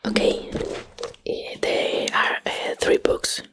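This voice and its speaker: A woman with a Spanish accent and native Spanish rambles casually in a breathy ASMR whisper, hesitantly searching for English words, close to the microphone. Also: slow. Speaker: ASMR video host.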